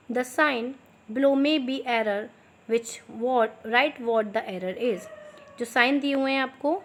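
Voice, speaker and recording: A woman teacher with an Indian accent, giving a lesson by mixing Hindi and English, dictating answers slowly and spelling words out letter by letter. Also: sits high. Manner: addresses students affectionately as beta. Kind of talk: online class lesson, Hindi-English mix.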